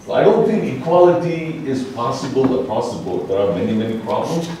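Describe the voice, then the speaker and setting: A man's voice: medium pitch, big pitch swings, a little fast, warm tone, a little hiss or hum. Man clarifying his question, firm, distant room mic, heavy echo. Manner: insistent, correcting himself. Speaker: audience member. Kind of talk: clarifying a question at a panel discussion. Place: conference room.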